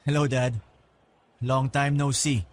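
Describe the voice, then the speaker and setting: An actor playing a cocky, bitter twenty-two-year-old son in a radio drama, with a taunting, theatrical manner. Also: male voice, mid-range voice, flat delivery, slow pace, faint music behind, close to an everyday voice. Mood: mocking, angry. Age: young adult. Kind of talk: Tagalog radio drama acting.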